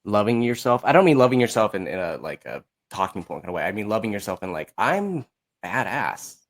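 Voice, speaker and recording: An American man in his thirties with a fairly low voice speaks as a guest in a casual conversation. His talk is informal, working through examples and little acted-out asides. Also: big pitch swings, a little fast. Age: 30s. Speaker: podcast guest.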